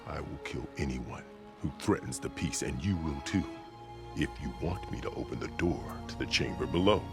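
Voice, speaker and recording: A stern tribal leader in a dramatic game scene. His voice sits very low, and he delivers formal, weighty declarations with proud authority. Prominent music plays behind him. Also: normal speed. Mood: grim, resolute. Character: stern, commanding male tribal chief, grave and proud. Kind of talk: dramatic video game cutscene acting.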